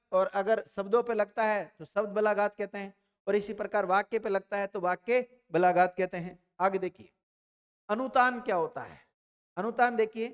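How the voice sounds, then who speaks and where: High-pitched and smooth, the man's voice carries a big-room sound as he teaches grammar. He speaks straight to his students, posing questions aloud and answering them in turn.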